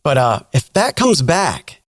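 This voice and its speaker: An American man with a fairly high voice hosts a casual podcast interview. He talks in a relaxed, conversational style, recorded dry and close. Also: unhurried, no echo. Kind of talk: casual chat.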